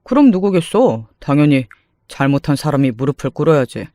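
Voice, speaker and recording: Young newlywed husband, played by a story narrator, coaxing and dismissive, slightly lowered pitch, dry sound. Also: big pitch swings, brisk, warm tone, no room sound, close to an everyday voice. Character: young husband, placating, blind to his wife's hurt.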